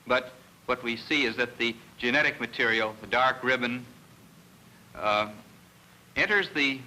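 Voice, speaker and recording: A man, a research scientist, giving an educational lecture in a measured, didactic way with pauses mid-sentence. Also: medium pitch, pushed and bright, slight background noise, poor audio.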